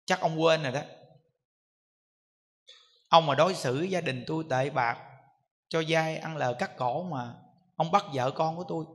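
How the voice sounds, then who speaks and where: A man's voice: fairly high pitch, normal speed, long pauses, natural voice. A Buddhist monk voicing the resentful ghost of a young man, telling off his father. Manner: resentful, accusing. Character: bitter young male ghost of a debtor son. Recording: echoey hall reverb.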